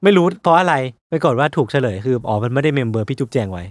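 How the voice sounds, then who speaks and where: A man co-hosting a casual podcast chat, relaxed and jokey as he shares stories. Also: mid-range voice, racing, no room sound, clean studio sound. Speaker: podcast co-host.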